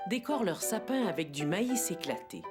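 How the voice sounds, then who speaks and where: A woman narrating a children's cartoon in a gentle, expressive storytelling manner. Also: on the low side, moderate pace, music in the background.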